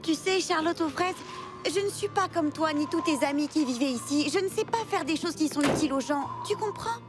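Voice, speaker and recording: A woman acts a young cartoon girl with itchy feet, high-pitched and earnest. She is lively yet unsure of herself, with music clearly playing behind. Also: a little fast, lightly acted. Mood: wistful. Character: restless young female cartoon traveler, cheerful, self-doubting tinkerer. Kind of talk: French animated series dub.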